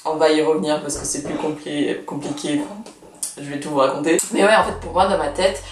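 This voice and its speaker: A woman's voice: low voice, fairly even intonation, a little fast, echoey room, recorded from a distance. A woman in her twenties, born in Canada, chatting in a vlog with many fillers and restarts while losing her voice. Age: 20s. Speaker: law student vlogger. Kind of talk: casual vlog chat.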